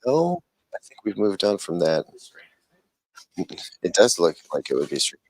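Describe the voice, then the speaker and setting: A man's voice: low voice, very animated, measured pace, a little mellow, low-quality recording. A man chatting casually on a livestream as a panelist, joking and self-deprecating in a wry way. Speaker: TV shootout panelist. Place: TV viewing room.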